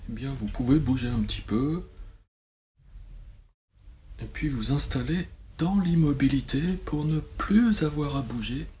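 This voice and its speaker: A man guides a relaxation meditation as a yoga nidra teacher, soothing and measured, with long pauses. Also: mid-range voice, animated, a little mellow, a little hiss or hum.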